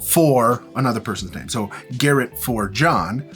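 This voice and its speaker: This man, presenting a film-gear tutorial, has a mid-range, fairly bright voice that is animated and a little slow. He demonstrates the equipment informally and explanatorily, with emphatic phrasing and casual asides, while music plays in the background.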